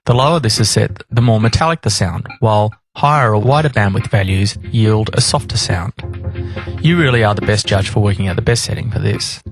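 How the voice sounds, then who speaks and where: A man reading scripted instructional narration in a measured, explanatory manner. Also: on the low side, faint music behind. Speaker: tutorial narrator.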